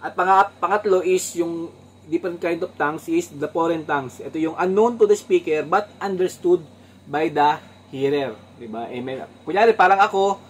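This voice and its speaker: A Filipino man preaching a sermon in a slightly high voice. He teaches point by point, mixing in English phrases, rising on each new point and dropping low on asides. Faint room hum sits behind him. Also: normal speed. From Philippines. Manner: mixes English phrases into his talk and often asks the congregation "Amen?".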